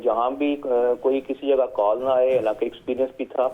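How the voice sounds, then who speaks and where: A man's voice: mid-range voice, fairly even intonation. A middle-aged man from Pakistan, calling in to a show and speaking hesitantly with many fillers and English words. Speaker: caller. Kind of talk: phone-in call to a TV show. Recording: tinny phone line.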